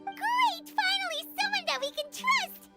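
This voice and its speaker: A woman voicing a tiny, childish, excitable floating fairy companion in an anime-style video game, with a squeaky, exclamatory delivery. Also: measured pace, exaggerated voice. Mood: alarmed, excitable. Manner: refers to herself by name, exclamatory. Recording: music behind.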